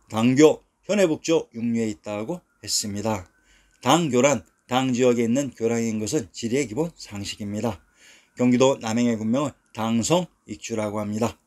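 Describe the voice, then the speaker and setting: Man reading a measured history narration. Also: medium pitch, a little mellow. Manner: measured, list-like reading of place names. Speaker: narrator of a history lecture series. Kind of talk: scripted narration, reading out sources.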